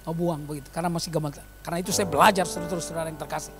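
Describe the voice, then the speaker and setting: Fast-talking animated preacher man. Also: a little high. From eastern Indonesia. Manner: animated storytelling, swings from quiet to shouting. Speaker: pastor. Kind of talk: sermon. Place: church hall. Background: music.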